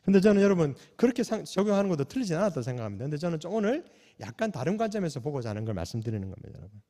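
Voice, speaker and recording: A man preaching a sermon as pastor, asking the congregation questions and swinging between loud calls and soft, hushed lines. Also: on the high side, big pitch swings, rapid-fire. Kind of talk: sermon at a night prayer meeting. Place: church sanctuary. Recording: long church hall reverb.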